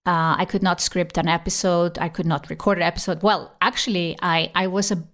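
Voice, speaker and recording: Woman, podcast host, slightly shaky voice, somewhat low pitch, reflective storytelling. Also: steady tone, brisk, fairly bright tone. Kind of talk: personal storytelling monologue.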